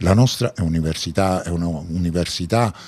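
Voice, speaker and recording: This man's voice sits very deep and low, moving at a fairly slow pace with ordinary pitch variation. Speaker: retiring school administrator. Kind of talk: interview. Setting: office. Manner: hesitant, many fillers. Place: office. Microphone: handheld.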